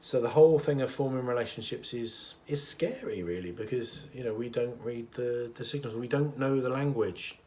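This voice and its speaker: A man with a cold and a husky voice, talking casually and thoughtfully to camera about a mental health topic, pausing often with fillers. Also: medium pitch. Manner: thoughtful, hesitant with many fillers, chuckles softly. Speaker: therapist. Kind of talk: casual educational talk to camera.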